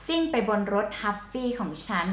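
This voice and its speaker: A woman's voice: on the high side, big pitch swings, unhurried, roomy sound. A woman hosting a channel, explaining song lyrics and slang in a chatty, playful way. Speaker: song translator, channel host. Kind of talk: casual explaining lesson.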